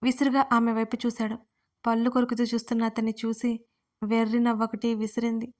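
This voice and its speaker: A woman storyteller giving scripted narration of a romance story in an even, steady reading. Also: fairly high pitch, a little fast.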